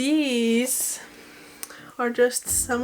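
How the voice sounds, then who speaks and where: Over noticeable background noise, a woman with a high pitch speaks with fairly even intonation. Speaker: book vlogger. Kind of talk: casual chat. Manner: casual, filler-heavy.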